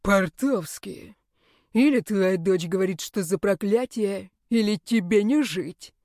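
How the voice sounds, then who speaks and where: A woman voicing a furious, menacing werewolf man in an audiobook, speaking slowly and loudly with threats. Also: medium pitch, dry recording, clean studio sound, lightly acted. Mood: threatening. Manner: slow, loud, threatening. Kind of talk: audiobook character voice.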